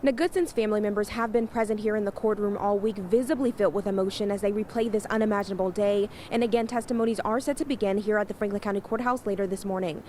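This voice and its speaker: A woman's voice: medium pitch, fairly even intonation, quick pace, few pauses, warm tone. A woman TV news reporter delivering a scripted live report from the field. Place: live remote at a courthouse. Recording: clear background noise, live on location.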